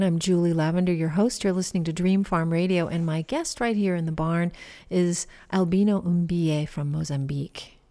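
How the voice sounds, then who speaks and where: A woman's voice: fairly low pitch, darkish tone. A woman hosting a radio show and interviewing a musician guest in a barn, talking in a chatty way with frequent ums and restarts.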